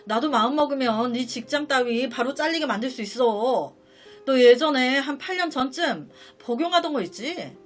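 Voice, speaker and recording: A woman voicing a spiteful middle-aged husband who threatens his wife in a low, hushed voice.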